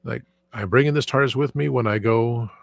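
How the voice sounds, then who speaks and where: A man's voice: medium pitch, a little fast, creaky, no echo. A man hosting his own channel in casual, rambling chat, often restarting sentences and trailing off into asides. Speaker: channel host.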